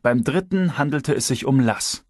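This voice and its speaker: A man narrating an audiobook in the first person, reading in an even, measured way. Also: mid-range voice, no echo, studio quality.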